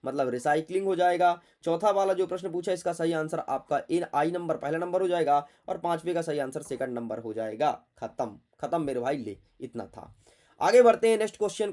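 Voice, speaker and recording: A man's voice: on the high side, darkish tone. A man teaching an exam prep lesson, chatty and playful, talking straight to his students and muttering to himself while he searches the text.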